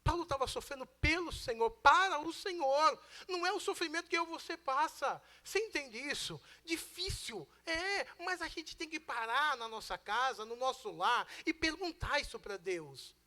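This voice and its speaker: High-voiced bright Brazilian preacher. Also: male voice, animated, normal speed, hardly any pauses. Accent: Brazilian Portuguese. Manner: emphatic, asks the congregation rhetorical questions; conversational, mixes in personal stories. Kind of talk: sermon.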